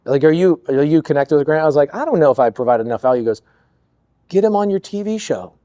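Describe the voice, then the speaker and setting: A man telling stories as a guest on a podcast, lively and acting out quoted lines in other voices. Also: a little high, quick pace, dry recording. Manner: animated storyteller, acts out quoted voices. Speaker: podcast guest, real estate investor. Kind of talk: storytelling interview chat.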